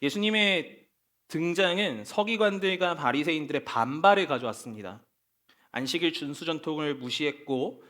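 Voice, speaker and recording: A man's voice: fairly high pitch, a bit bright. A male pastor giving a conversational sermon at a church prayer meeting, asking rhetorical questions.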